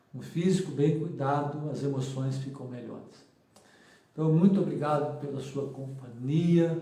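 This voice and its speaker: A man with a fairly high voice speaks at a fairly slow pace and fairly even intonation, with noticeable background noise and audible room echo. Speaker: pastor. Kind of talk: sermon closing remarks to online congregation. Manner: sometimes speaks softly.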